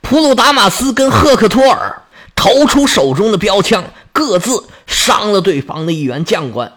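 A man's voice: high-pitched, sing-song, normal speed, fairly bright tone. A man narrating a story dramatically, making sound effects with his voice.

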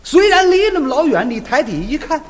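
High-voiced man doing crosstalk comedy. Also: fairly quick. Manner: lively storytelling with mimicked opera wails. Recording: reverberant stage hall.

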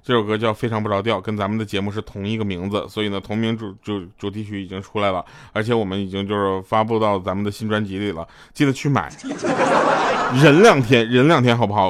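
A man hosting a comedic radio show, telling jokes in a loose, rambling way and chuckling at his own punchlines. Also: on the low side. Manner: joking storyteller, chuckles between punchlines; loose, stumbling restarts.

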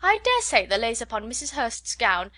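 A woman reading aloud and voicing an excitable middle-aged mother who gossips breathlessly and gushes about a ball. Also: a little high, normal speed. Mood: indignant.

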